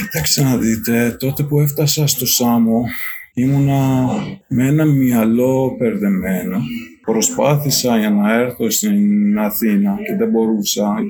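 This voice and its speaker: Noticeable background noise and audible room echo surround a man speaking very slowly at medium pitch, his intonation lively and his loudness very even. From Iran. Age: 30s. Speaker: stage actor. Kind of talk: interview. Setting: theater after the show.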